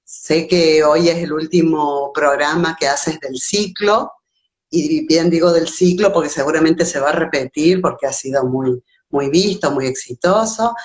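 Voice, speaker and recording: A woman's voice: low voice, measured pace. Cordobese Argentine woman in an echoey room. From Córdoba, Argentina. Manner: laughs easily while talking. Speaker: guest, theatre actress. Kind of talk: casual chat. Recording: roomy, echoey sound.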